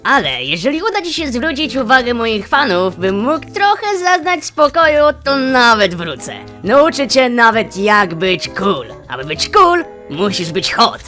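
A woman's voice: on the high side, very animated, a little slow, few pauses, bright, forceful tone, faint music behind, heavily acted. A cocky cool guy Blaze. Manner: laid-back, boastful slang.

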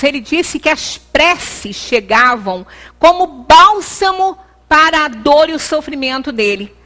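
A middle-aged Brazilian woman, a lecturer at a spiritist center, gives a devotional talk to a small audience in a high, bright voice with a Brazilian Portuguese accent. Earnest and gesturing, she halts often, breaking off and restarting phrases. A far camera across the indoor meeting room picks up the sound.

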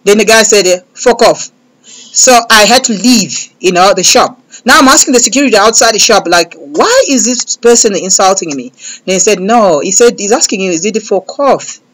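A man's voice: high-pitched, lively intonation, moderate pace, fairly bright tone, rough recording. Rambling comedian man on studio mic. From Malawi and South Africa. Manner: rambling, repeats filler words while telling comic stories. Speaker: comedian guest. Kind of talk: radio interview. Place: radio studio, indoors. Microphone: large studio mic close above.

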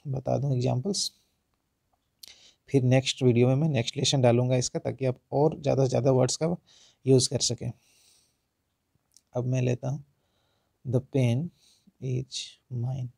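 A man with an Indian accent, teaching English pronunciation in a lesson. His voice is low in brightness and mellow, with some gravelly fry, and it sounds dry and close to the mic. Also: dry recording. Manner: explains slowly, then reads example sentences word by word with stress. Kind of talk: spoken English lesson in Hindi.

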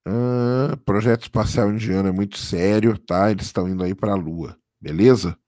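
A man, hoarse from a cold, casually commenting on a live stream and answering viewer chat, often checking in with "tá?". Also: on the low side, normal speed, mellow, dry recording, studio quality. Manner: casual, keeps adding "tá?" for confirmation. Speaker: livestream host.

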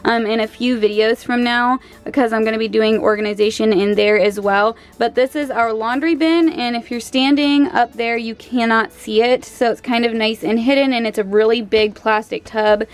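A young woman and mother giving a relaxed, chatty vlog narration while showing things around her small home. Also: a little high, moderate pace, hardly any pauses. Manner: chatty, relaxed, explaining as she shows things. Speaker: vlogger, mother of three girls. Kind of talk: casual organizing vlog narration.

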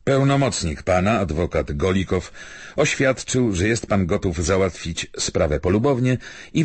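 A man narrating an audiobook, reading literary prose and letters in a measured, formal way. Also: deep voice, breathy edge, no echo.

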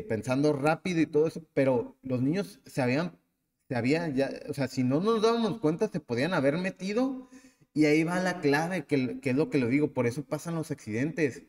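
Mexican man, 30s, podcast host; casual animated storyteller, slightly high voice, reverberant room. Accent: Mexican Spanish. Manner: animated, acts out the people in his story.

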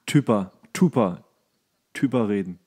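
A man's voice: lowish voice, animated, unhurried, a little mellow, husky. A man co-hosting a podcast, chatting casually in slangy everyday speech. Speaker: podcast co-host.

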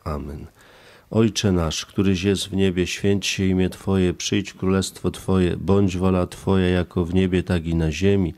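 A deep-voiced man, a priest hosting a radio show, who speaks in a calm and level way. He closes the program and then leads a prayer with little rise or fall in his voice. The sound is dry and close, recorded in a studio. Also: measured pace, no room sound. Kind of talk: radio show closing remarks and leading a spoken prayer.

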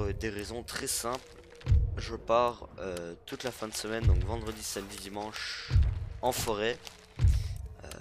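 Un homme qui commente sa partie de jeu de stratégie sur un ton décontracté, en hésitant beaucoup avec des « euh ». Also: male voice, fairly low pitch. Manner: hesitant, full of euh fillers. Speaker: gaming YouTuber. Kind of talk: casual let's play commentary.

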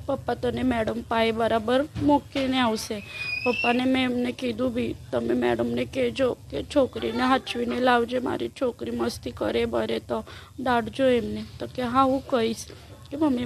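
A grieving middle-aged mother, quietly and tearfully retelling the last morning with her daughter. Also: a little high, level tone, moderate pace, vocal fry. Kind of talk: interview recollection.

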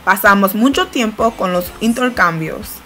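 Young woman, careful learner's narration, mid-pitched voice, faint music underneath. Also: lively intonation, unhurried, sharp tone. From United States. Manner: plain, careful learner's delivery. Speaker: student narrating a study-abroad video. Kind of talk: read-aloud voice-over narration.

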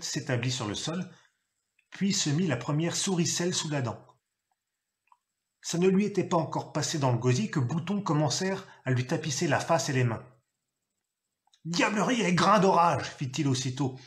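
A man reading a novel aloud, telling it expressively and acting out a gruff father's shouted lines. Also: on the high side. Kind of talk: literary reading.

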